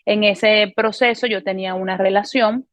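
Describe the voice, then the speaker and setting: A woman in her thirties from Venezuela gives a personal faith testimony to camera, in an earnest, unhurried way with frequent hesitations and self-corrections. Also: mid-range voice, steady tone, fairly bright tone, no room sound. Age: 30s. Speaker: testimony speaker. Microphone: camera recording.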